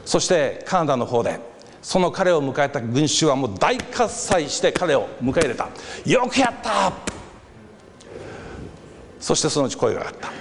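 Animated male preacher in a hall. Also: medium pitch, fairly quick. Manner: animated storyteller acting out crowd voices. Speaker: pastor. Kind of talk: sermon with storytelling. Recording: reverberant hall with faint background noise.

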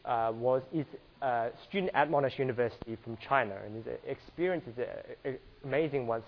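A man from Singapore giving an earnest church talk about slides, restarting often and filling pauses with "uh". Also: a little high, highs cut off. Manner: earnest, many restarts and fillers. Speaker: church speaker.

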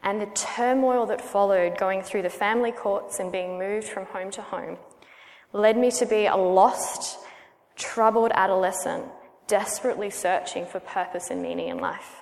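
An Australian woman in her thirties, praying and then giving her personal testimony as a guest speaker in a church, earnest and measured. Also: medium pitch, fairly even intonation, vocal fry, darkish tone. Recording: long hall reverb.

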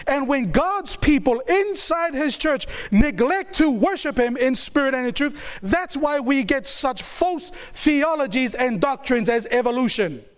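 High-voiced preacher from New Zealand. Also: male voice. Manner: call-and-response, asking the congregation to answer; emphatic, repeats key phrases. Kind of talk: sermon.

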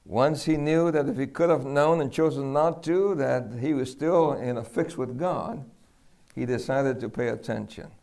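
A man from Puerto Rico preaching a sermon, telling a lively personal story and acting out the dialogue. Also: mid-range voice, normal speed, vocal fry.

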